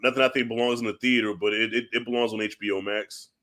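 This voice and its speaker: A man with a head cold, his voice thick and congested as he chats as a podcast guest. His talk is slangy and animated, and it gets louder when he is excited. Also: mid-range voice, quick pace. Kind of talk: casual chat.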